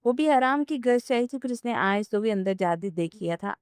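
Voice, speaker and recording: A woman reading a romance novel aloud as narrator, in steady, even storytelling. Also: fairly high pitch, clean tone, dry recording. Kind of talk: scripted audiobook narration.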